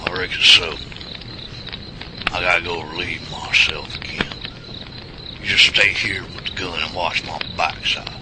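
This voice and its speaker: A deep, drawling old Southern country man acted by a man in an audio drama. He is folksy and cantankerous, forever bickering with his partner. Heavy outdoor ambience sits loudly behind the voice. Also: level tone, measured pace, pauses often. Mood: grumpy, defensive. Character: grumpy old rural Southern man, bickering Bigfoot hunter. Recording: loud outdoor ambience noise over voice.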